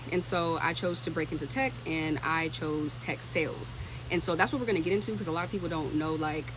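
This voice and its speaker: A thirty-year-old woman who creates tech career content hosts a casual livestream, answering comments informally and thinking aloud. Her voice is low and brisk against a noisy background.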